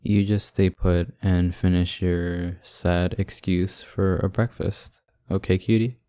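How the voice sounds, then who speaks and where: A man's voice: sits low, flat delivery, slow pace, warm tone. A man playing a devoted, protective boyfriend in an ASMR audio roleplay, talking casually and conversationally. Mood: tender, reassuring.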